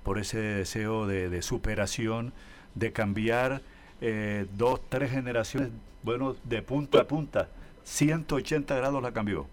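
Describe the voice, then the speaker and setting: A man's voice: medium pitch, fairly even intonation, a little slow, a little hiss or hum. An older man, asking questions as a casual interviewer.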